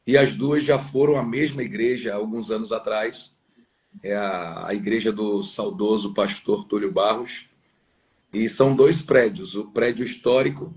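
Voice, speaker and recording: A man's voice: mid-range voice, a little mellow. A man from Sergipe in northeastern Brazil, a pastor talking casually as an interview guest from home. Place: at home, downstairs, on an internet call.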